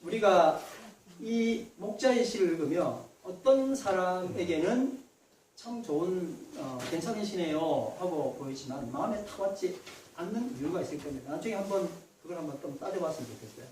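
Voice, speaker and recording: A male pastor preaches a Sunday sermon in a church sanctuary, chatting with his congregation and quizzing them directly. His voice sits a touch high and carries a roomy echo. He stands somewhat back from the mic, over a faint hiss. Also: lively intonation, moderate pace, a little mellow, distant mic. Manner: conversational preaching, asks the congregation questions directly.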